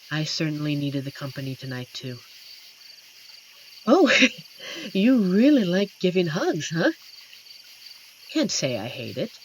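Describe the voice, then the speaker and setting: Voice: medium pitch, slight background noise, rough recording. A performer voicing an amiable, lonely werewolf who protects a forest, speaking tenderly and earnestly in a scripted roleplay addressed to the listener. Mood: happy, comforting. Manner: tender, earnest, playfully corny, hesitant pauses. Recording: clear insect and night ambience behind. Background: crickets and forest night ambience.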